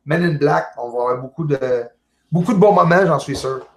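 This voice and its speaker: A man with a Québécois French accent, a guest chatting casually over a video call, jovial and halting with many fillers and restarts. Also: on the high side. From Quebec, Canada. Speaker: guest, amateur astronomer. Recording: roomy echo.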